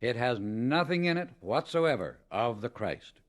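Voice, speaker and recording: A man's voice: medium pitch, sing-song, measured pace. Man solemnly reading a spiritual audiobook. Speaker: audiobook reader. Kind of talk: scripted spiritual teaching read aloud.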